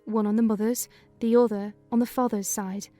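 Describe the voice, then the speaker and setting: Woman reading a kindly housekeeper, brisk homely talk, higher voice, soft music behind. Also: flat delivery, lightly acted. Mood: chatty. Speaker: narrator voicing housekeeper. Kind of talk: dramatized audiobook reading.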